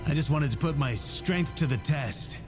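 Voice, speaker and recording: A man's voice: on the high side, normal speed, darkish tone, natural voice. A man voicing a modest, eager warrior in a scripted game scene. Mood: modest, curious. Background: game music.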